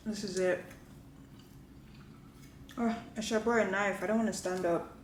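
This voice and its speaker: A woman's voice: mid-range voice, fairly even intonation, moderate pace, a little hiss or hum. Chatty woman vlogging in an echoey kitchen. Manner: chatty, rambling, many "like" fillers. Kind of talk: casual chat to camera. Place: home kitchen at the counter. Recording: echoey room with faint ambience.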